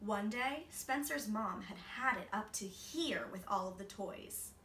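A woman in her twenties sits in a small indoor room reading a children's picture book aloud with expression, a few feet from the camera. Her mid-range voice is expressive, a little slow and fairly bright, and the audio sounds roomy and off-mic with faint noise.

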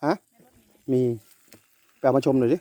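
A man's voice: measured pace, warm tone, no echo. A middle-aged man hosting a casual farm vlog outdoors in a chili field, chatting, tagging phrases with polite particles and drifting into moral lecturing. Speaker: farm video host and chili seed promoter.

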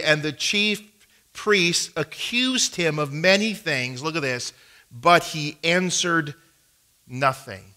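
Bright-voiced pastor preaching slowly. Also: male voice, high voice. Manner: earnest preaching, reading scripture aloud, gesturing at a pulpit. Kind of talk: sermon. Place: church sanctuary, indoors. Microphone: pulpit mic, far camera.

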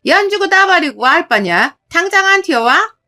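A woman voicing a shrill, contemptuous older mother-in-law who screeches and scolds. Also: very animated, moderate pace, bright, forceful tone, exaggerated voice. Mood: scolding.

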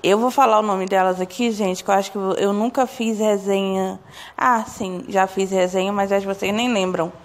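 A hoarse young woman from Brazil, vlogging to camera in an indignant, gossipy way, talking straight to her viewers. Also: mid-range voice, fairly even intonation, moderate pace. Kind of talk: casual opinion vlog to camera. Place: small indoor room. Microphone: phone or webcam close to face.

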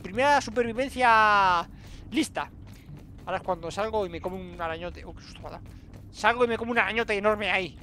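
A gaming streamer with a Spain Spanish accent gives let's-play commentary, muttering to himself and bursting into exclamations. His male voice is high-pitched, fast, and a bit bright, recorded on a home desk mic with a little hiss or hum.

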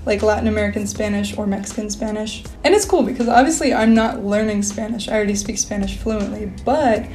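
A woman's voice: medium pitch, fairly quick, soft background music. A young woman in her twenties vlogging casually from a bedroom, chatty and full of fillers, gesturing as she talks to the camera. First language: English. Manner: chatty, lots of fillers, animated hand gestures. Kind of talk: casual talking-head vlog. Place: small bedroom, indoors.

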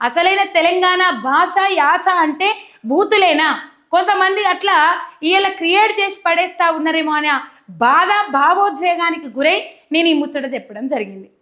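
A woman's voice: very high-pitched, normal speed, bright, forceful tone. A young woman from Telangana with a Telangana Telugu accent, giving earnest, emphatic political commentary straight to camera. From Telangana, India.

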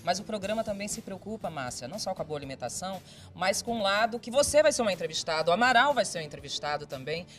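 Upbeat male presenter pitching a new show, music in the background. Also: animated, quick pace, few pauses, a bit bright. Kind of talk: promoting a TV program. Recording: TV studio with music behind.

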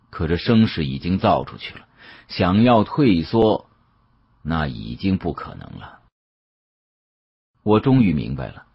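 A man narrating an audiobook as a dramatic storyteller, with an expressive, suspenseful delivery and a husky voice. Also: sits low. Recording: dull, muffled audio.

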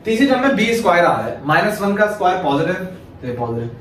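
This male maths teacher from Pakistan lectures step by step in a high, sing-song voice at a quick pace, posing questions and then answering them himself. The room is very echoey, the mic is far away, and there's a faint hiss.

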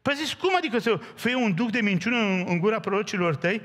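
A man preaching a sermon in a church, telling a Bible story with lively acted-out dialogue and direct questions to the congregation. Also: sits high. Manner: animated storytelling, acting out biblical dialogue in raised voice. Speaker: pastor. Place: church hall. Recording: church hall reverb.

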